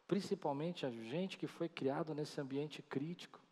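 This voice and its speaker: A man with a Brazilian accent preaching a sermon, repeating phrases and often dropping his voice low and soft. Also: measured pace. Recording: long hall reverb.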